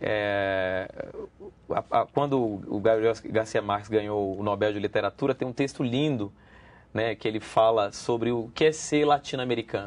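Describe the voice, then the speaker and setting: The man's voice sits at a medium pitch, with ordinary pitch variation and a moderate pace. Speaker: Spanish teacher. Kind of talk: exam commentary. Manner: halting.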